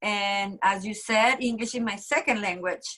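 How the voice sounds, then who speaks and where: A woman with a Latin American accent speaks at a fairly slow pace. Her tone is bright and sharp. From South America. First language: Spanish. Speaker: network marketing business owner. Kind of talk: interview on a group call. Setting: group call.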